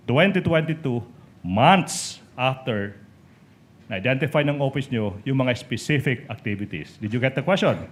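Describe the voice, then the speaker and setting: Pressing Filipino trial lawyer, male, in a courtroom. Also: mid-range voice. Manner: pressing, insistent, switches between Tagalog and English. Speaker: lawyer questioning a witness in a trial. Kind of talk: formal courtroom cross-examination. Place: in a courtroom hearing, on a microphone.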